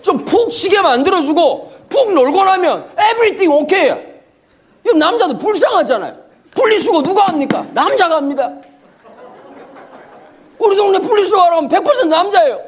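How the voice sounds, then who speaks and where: A man pastor giving a humorous sermon lecture in a church, talking in an animated, comic way and acting out the voices he quotes. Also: very high-pitched, fairly quick. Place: church sanctuary.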